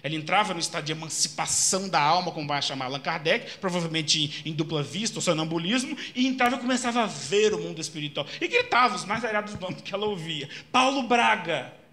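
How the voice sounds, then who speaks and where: A man giving an animated storytelling lecture at a Spiritist center, shouting out the cries he retells. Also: on the high side, fast talker, hardly any pauses.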